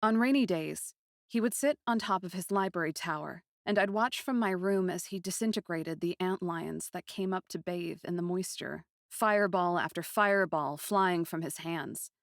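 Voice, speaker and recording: A woman's voice: on the low side, normal speed, no room sound, studio quality, lightly acted. A woman playing a grieving, passionate young captive princess who tells her own story in an intense, emotive, dramatic first-person style. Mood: wistful, tense.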